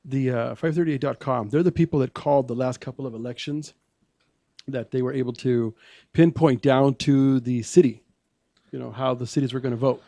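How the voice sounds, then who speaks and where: A man's voice: mid-range voice, steady tone, creaky, warm tone, no echo. A man co-hosting a talk radio show, explaining and arguing his political points at length. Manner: explaining, argumentative, measured. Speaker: co-host.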